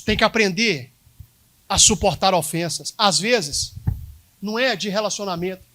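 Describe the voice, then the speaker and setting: A pastor from Minas Gerais, judging by his accent, delivers an emphatic, repetitive sermon aimed right at the congregation. He sits high in pitch, speaking at a moderate pace in a bright, forceful tone.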